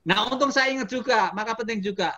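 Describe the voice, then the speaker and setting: A middle-aged man from Indonesia, a motivational speaker telling a story in a casual interview, animated and breaking into sudden shouts. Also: high-pitched, fast talker.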